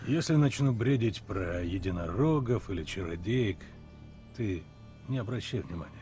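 An actor playing a stoic, weary male monster hunter in a video game, with a terse, deadpan delivery. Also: on the low side, normal speed, faint music behind, lightly acted. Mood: resigned, dry. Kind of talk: video game dialogue acting.

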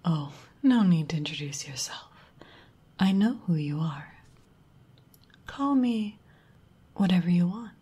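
A woman's voice: on the low side, animated, a little slow, pauses often, mellow, heavily acted. A woman voicing a powerful mature succubus mother in a sultry, teasing, condescending ASMR role-play. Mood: imperious, seductive. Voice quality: very breathy, husky.

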